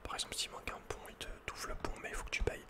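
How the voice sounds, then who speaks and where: A man whispering unhurriedly as he thinks aloud, hosting an ASMR video game playthrough. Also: rapid-fire. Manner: whispering throughout. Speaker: ASMR gamer host.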